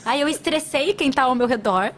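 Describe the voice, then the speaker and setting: A woman's voice: high-pitched, moderate pace, slight background noise. A woman guest on a podcast, telling stories with lots of laughter and acting out quoted lines. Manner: laughing, expressive storyteller who acts out quotes. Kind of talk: casual podcast chat.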